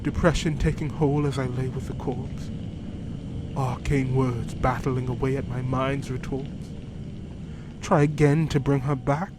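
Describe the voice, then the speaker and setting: A man playing a grieving, love-struck old-time British man, reciting dark rhyming horror verse in a theatrical, solemn way. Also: mid-range voice, flat delivery, noisy background, close to an everyday voice. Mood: mournful, haunted. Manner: theatrical, solemn, measured delivery. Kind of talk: dramatic rhyming horror poem narration.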